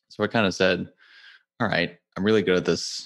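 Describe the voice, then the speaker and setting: Very deep, low male speech with vocal fry in an American accent, against a quiet background. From Connecticut. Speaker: data consultant. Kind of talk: casual interview.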